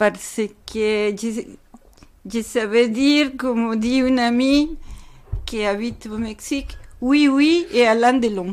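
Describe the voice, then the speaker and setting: The delivery is very slow, broken by long, frequent pauses, with big swings in loudness and ordinary pitch variation. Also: woman, high pitch for a woman. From Mexico, Nayarit. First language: Spanish (speaking French). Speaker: immigrant guest. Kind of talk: radio interview testimony. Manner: halting.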